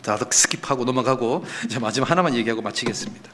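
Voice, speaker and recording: A man's voice: mid-range voice, quick pace, fairly bright tone. A male pastor preaching a sermon in a church, telling a story that rises to emphatic, impassioned peaks. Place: church sanctuary.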